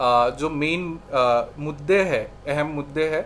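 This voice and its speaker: With a non-native accent and a fairly high pitch, a man's voice carries audible room echo. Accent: non-native Hindi. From Assam, India. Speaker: freelance journalist. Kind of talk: online talk / lecture. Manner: halting, many fillers.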